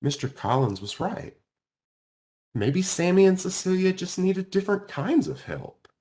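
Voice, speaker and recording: A man reading a children's storybook aloud as scripted narration, with expressive, emphatic phrasing. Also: high voice, a little slow. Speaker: author reading their own children's book aloud.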